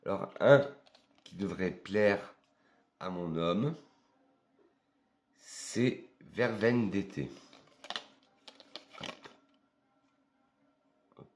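A man from France speaks in a low voice and a very slow rhythm as he reviews perfumes. He thinks aloud, pausing often and picking his words. The tone stays relaxed and chatty, a casual review vlog. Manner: unhurried, hesitant, thinking aloud with many pauses.

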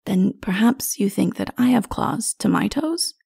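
Woman as a grave, husky-voiced king. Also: mid-range voice, lively intonation, a little slow, darkish tone, full character voice. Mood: quietly firm. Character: grave, stern male king on a perilous journey.

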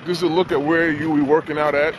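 Slangy young man over loud background noise. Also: on the high side, level tone, racing. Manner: informal, slangy, joking. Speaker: vlog host giving a facility tour. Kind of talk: casual walk-through tour talk. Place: on the move outdoors, in a locker room and in a large indoor pool hall. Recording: noisy handheld camera, heavy ambient noise.

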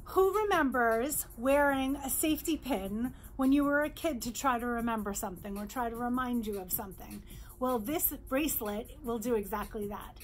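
A middle-aged woman from New York, a jewelry designer, presenting her bracelets in a bright, chatty sales pitch in her showroom, close to the camera. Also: moderate pace, slight background noise. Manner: upbeat, chatty sales pitch, holds up pieces. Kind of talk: virtual trade show product presentation. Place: indoor showroom with jewelry displays.

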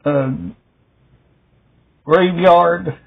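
A middle-aged man hosting a casual show-and-tell vlog at home, talking haltingly in short phrases with long gaps. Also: high voice, fairly even intonation, gravelly, husky, dull audio. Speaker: video host showing a music collection. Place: small indoor room at home.

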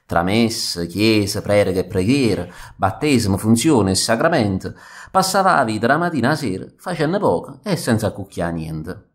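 A man with a Neapolitan accent reciting comic dialect verse in a rhythmic, expressive, theatrical way. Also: lowish voice, moderate pace. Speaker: actor reading verse.

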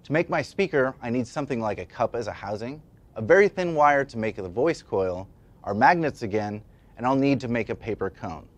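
A man's voice: mid-range voice, lively intonation, fairly quick. A man in his thirties giving a scripted explainer as an instructor, with an emphatic, demonstrative delivery. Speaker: educational presenter and instructor. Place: indoor studio at a demonstration table. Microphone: lapel mic.

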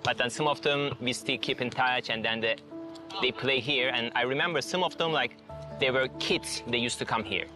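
A man's voice: medium pitch, normal speed, music in the background. A man in his forties with a Turkish accent, casually explaining things in an interview. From Turkey. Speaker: restaurant owner interviewed for documentary.

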